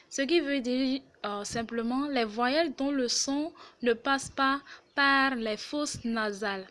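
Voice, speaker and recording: A woman teaching a language lesson, explaining slowly and carefully and repeating each word. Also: on the high side, fairly bright tone. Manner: slow and careful, repeats words. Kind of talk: Yoruba lesson in French.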